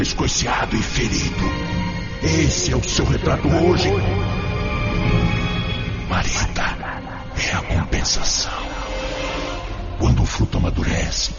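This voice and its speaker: A man's voice: mid-range voice, vocal fry. An actor in a Portuguese-language radio drama playing an insinuating male tempter spirit, persuasive and goading, with rhetorical flourishes. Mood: seductive, insinuating. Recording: dull audio under loud music.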